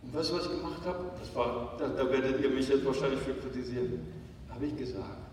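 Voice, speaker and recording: A man preaching a sermon as pastor, emphatic, swinging between quiet and loud. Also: medium pitch, animated, fast. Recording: echoey hall, distant mic, faint noise.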